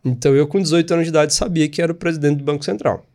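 A man's voice: a little high, racing. Chatty Brazilian man telling his story. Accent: Brazilian Portuguese. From Espírito Santo, Brazil. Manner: animated, chatty, frequent tag questions. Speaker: podcast guest. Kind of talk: casual storytelling interview.

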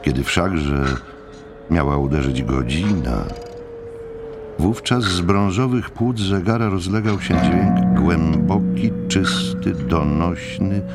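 A man giving a dramatic literary narration for an audiobook, solemn and measured. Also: sits low, loud music behind the voice.

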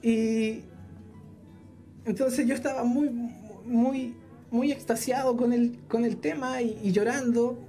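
A woman with a dark, mellow voice tells a personal faith testimony in an earnest, halting way, restarting her sentences as she goes. Soft music plays faintly behind her. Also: fairly high pitch, fairly even intonation. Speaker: church audio volunteer.

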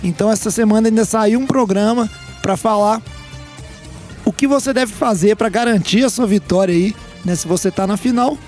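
Man, brazilian accent, podcast host, high voice, playful, faint music behind. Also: moderate pace, a little mellow. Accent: Brazilian Portuguese. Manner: playful, teasing, upbeat. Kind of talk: casual sports podcast chat.

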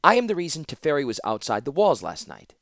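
A man's voice: on the high side, quick pace, no room sound, studio quality, pitched above the performer's own voice, full character voice. A man voicing a composed young woman student who speaks evenly. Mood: resolute. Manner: calm, even.

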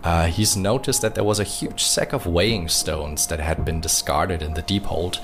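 Very deep-voiced man improvising roleplay narration. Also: moderate pace, creaky, music in the background. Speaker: roleplay podcast player. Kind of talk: improvised third-person narration of his character.

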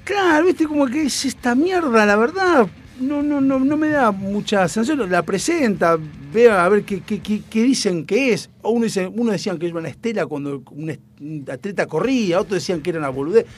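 Young Rioplatense man, animated storyteller, crude and playful, pitch jumping all over. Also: brisk, few pauses, slightly rough. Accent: Rioplatense Spanish. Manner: animated, crude slang, acts out quotes. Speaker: storyteller host. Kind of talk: casual storytelling chat.

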